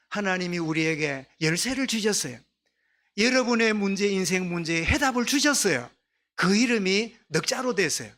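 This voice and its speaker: High-voiced Gyeongsang pastor preaching. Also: male voice. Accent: Gyeongsang Korean. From Gyeongsang, Korea. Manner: soft-spoken for his dialect, leads congregation in responses. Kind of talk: sermon. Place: church sanctuary.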